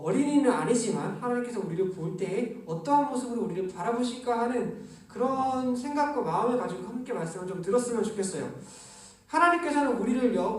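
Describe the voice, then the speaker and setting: A man in his thirties giving a gentle, conversational sermon through a face mask, pausing often, alone in a large church office. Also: high-pitched. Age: 30s. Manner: gentle, conversational preaching with frequent pauses. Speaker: youth pastor. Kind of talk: livestreamed sermon. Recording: very echoey room, mic at a distance.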